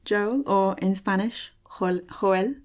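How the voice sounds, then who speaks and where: A woman's voice: medium pitch, slow pace. A woman hosting a language-learning podcast, gushing and bubbly, with plenty of ums as she introduces her guest. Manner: bubbly, gushing, many fillers. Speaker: podcast host. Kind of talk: enthusiastic interview intro. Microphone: recording a video intro.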